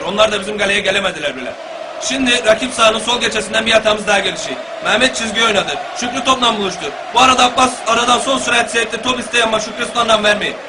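Man acting high-pitched, fast Gaziantep-accented Turkish football commentator. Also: natural voice. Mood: wry narration. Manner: folksy, grumbling, colloquial asides between formal match calls. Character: exasperated, foul-mouthed, partisan male local football commentator. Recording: clear background noise and ambience.

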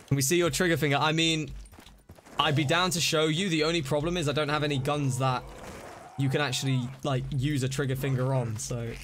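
Hyped up while streaming a zombie shooter, this young man chats with his viewers, greeting them by name, until his voice starts to give out. He speaks a little fast at a fairly high pitch, and there's slight hiss or hum.

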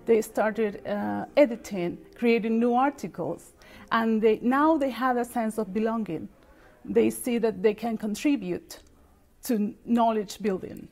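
Higher-voiced woman. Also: a little slow, a little mellow. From Uruguay. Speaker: interviewee. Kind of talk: interview answer. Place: library room with tables.

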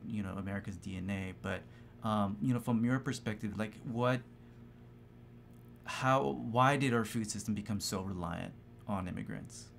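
A man in his thirties hosting a webinar from home, asking questions in a halting way with many pauses. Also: fairly low pitch, vocal fry, a little hiss or hum. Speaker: host and moderator. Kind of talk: webinar moderating. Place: home room with bookshelves, indoors. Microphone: video call with earphones.

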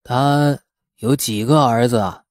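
A man voicing a frail, suspicious patriarch of nearly a hundred for an audiobook, hoarse, halting and muttering. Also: mid-range voice, dry recording, clean studio sound, natural voice. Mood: probing. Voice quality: hoarse, aged. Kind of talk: audiobook character voice.

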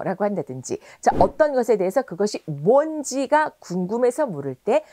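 A woman teaching English in a video lesson, saying example phrases slowly and clearly. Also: a little high, darkish tone, no room sound.

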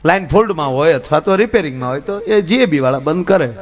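A man telling folk stories and jokes to a live audience, swinging between loud telling and soft asides. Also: a little high, expressive, fast. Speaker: folk storyteller and comedian. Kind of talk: live folk storytelling on stage.

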